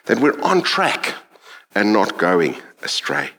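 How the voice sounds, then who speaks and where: A middle-aged man with a South African accent delivers a sermon. He speaks earnestly and reflectively, pausing to think. His pitch swings widely across phrases. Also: huge pitch swings, fairly bright tone. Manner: reflective, earnest, with thoughtful pauses. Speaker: preacher.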